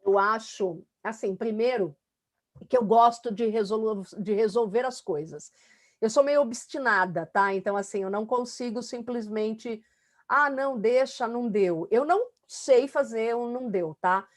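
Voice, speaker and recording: A woman's voice: on the high side, moderate pace. A middle-aged woman talking in a casual interview, emphatic and talkative, with many fillers. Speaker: student being coached.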